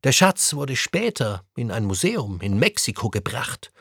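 A man reading a children's adventure story aloud with an animated, expressive delivery. His pitch roams widely and his voice has a slightly husky grain. The recording is close and dry. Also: unhurried, dry recording. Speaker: story reader.

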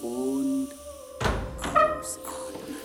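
An actor playing a calm male yoga teacher in a radio play, gently guiding breathing exercises. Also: medium pitch, very noisy, full character voice. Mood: soothing. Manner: slow, soothing guiding of breathing. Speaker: yoga instructor.

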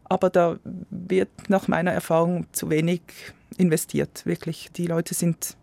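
A man, answering interview questions in a hesitant, reflective way and often trailing off softly. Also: sits high, level tone, measured pace, vocal fry. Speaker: guest, volunteer program coordinator. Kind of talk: interview conversation.

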